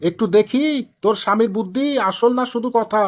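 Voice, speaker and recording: A man's voice: sits high, brisk, natural voice. Man acting a teasing village father-in-law, Bengali cartoon. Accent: Rajshahi Bangladeshi Bengali. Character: wily, bantering village father-in-law who tests people. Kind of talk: amateur cartoon comedy dialogue.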